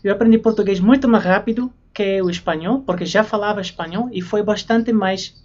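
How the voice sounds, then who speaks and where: An American woman, a young adult whose first language is English, talks casually through a home vlog and names household words one by one in a plain, unhurried way. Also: mid-range voice, darkish tone, muffled recording. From United States. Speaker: language learning vlogger. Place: her room and house.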